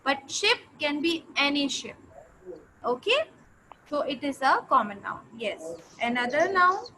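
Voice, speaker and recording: A woman with a high voice and a South Asian accent leads a grammar lesson. She is instructive, often repeating phrases and checking that her class follows. There is slight background noise on the recording. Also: very animated, unhurried. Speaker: English teacher. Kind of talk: interactive online grammar lesson.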